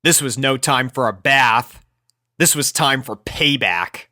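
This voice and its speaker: A narrator reading a scripted story aloud in an expressive, storytelling style. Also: mid-range voice, takes it slowly. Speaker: fan fiction narrator.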